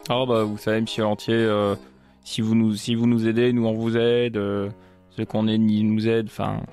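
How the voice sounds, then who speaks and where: A man's voice: fairly low pitch, level tone, moderate pace, a little mellow, clear, resonant tone, soft background music. A man speaking in character in a role-playing game, colloquial, deferential and insinuating. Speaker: player. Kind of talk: in-character role-play dialogue.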